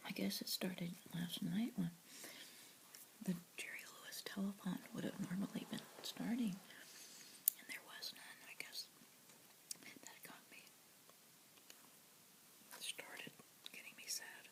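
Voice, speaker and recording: A woman reading news articles aloud in a soft ASMR whisper, adding her own asides. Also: medium pitch, slow, vocal fry, pauses often, poor audio.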